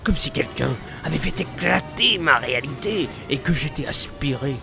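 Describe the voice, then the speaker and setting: A man playing a mad, theatrical supervillain clown in a French game fan dub, menacing and wistful, with a creaky voice. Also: a little high, lively intonation, moderate pace. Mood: manic elation. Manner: theatrical monologue, breaking into cackles. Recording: dramatic music behind the voice.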